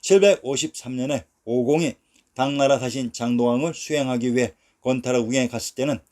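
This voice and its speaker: Slow, measured male documentary narrator. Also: mid-range voice, darkish tone. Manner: slow, measured, reads long lists of place names.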